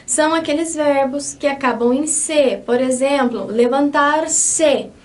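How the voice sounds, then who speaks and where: High-voiced Brazilian woman teaching Spanish. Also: a little slow, far from the mic. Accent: Brazilian Portuguese. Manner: patient, checks in often with the class. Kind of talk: online language lesson.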